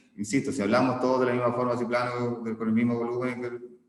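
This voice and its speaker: Audible room echo surrounds a man's voice. He speaks very fast at a medium pitch. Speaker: teacher. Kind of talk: lecture.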